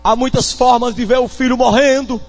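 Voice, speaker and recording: A male bishop with a Northeastern Brazilian accent preaching a fiery sermon, swinging between shouts and hushed tones and calling on the congregation. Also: very high voice, fairly even intonation, normal speed, faint music behind.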